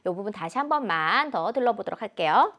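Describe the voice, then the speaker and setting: A woman English teacher explaining exam answers in a lecture, animated and mixing in English examples. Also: mid-range voice, a little fast. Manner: animated, switches between Korean and English examples.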